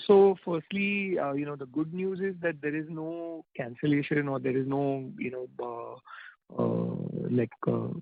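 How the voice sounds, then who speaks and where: A man with an Indian accent answers investor questions as a company executive, in informal, halting phrasing. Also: a little high, very animated, creaky, no echo. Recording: tinny, dry phone line.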